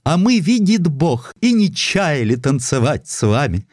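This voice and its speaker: A man's voice: a little high, big pitch swings, unhurried, a little mellow, no echo, clean studio sound, pitched above the performer's own voice. A man voicing a fawning, sweetly chirping young society lady in an audio play. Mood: coy, sweet.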